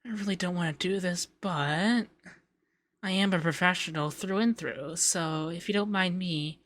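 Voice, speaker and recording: Guy doing a flustered coy femboy for asmr, really bright voice, stammers a lot, soft breathy bits. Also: high-pitched, measured pace. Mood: bashful, tender. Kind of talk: intimate ASMR roleplay.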